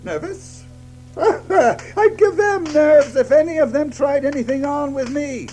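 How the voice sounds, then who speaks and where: A man's voice: extremely high pitch, slow, dark tone, faint music behind. An actor playing a brash, jaunty, confident male otter in a children's audio story, breezy and boastful.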